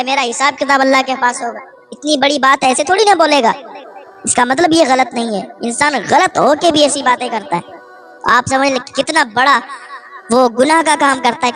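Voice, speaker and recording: Woman preacher, storytelling sermon, earnest and moralizing, fairly high voice, faint music behind. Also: a bit bright.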